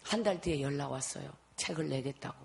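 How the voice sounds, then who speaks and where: A middle-aged woman, giving an emotional personal faith testimony that swings from loud pleading to a hushed murmur. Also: deep voice, fast talker, gravelly. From Guryongpo area, South Korea. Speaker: testimony speaker.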